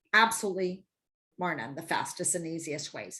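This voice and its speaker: A woman talks in a plain, everyday voice at a medium pitch, with ordinary pitch variation and a fairly slow pace. The background is quiet. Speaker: health coach. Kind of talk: live stream talk. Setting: live video stream at home.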